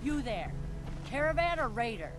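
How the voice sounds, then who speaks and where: A woman's voice: fairly high pitch, big pitch swings, normal speed, over music. A woman playing a stern, weary middle-aged gatekeeper in a video game, blunt and no-nonsense. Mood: stern, businesslike. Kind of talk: video game dialogue acting.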